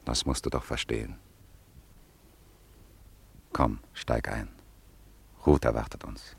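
A man playing a calm, loyal French family friend in a German radio drama, speaking in a measured, consoling way. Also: extremely low pitch, vocal fry, slightly rough, exaggerated voice. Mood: gently consoling.

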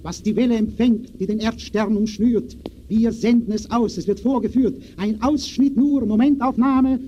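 An actor playing a theatrical radio narrator who addresses listeners in rhetorical, rhymed verse in the style of a 1920s radio play. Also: male voice, high voice, steady tone, moderate pace, mellow, close to an everyday voice. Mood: urgent, rhetorical. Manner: declamatory, rhetorical, rhymed delivery. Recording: dull, noisy early radio recording.

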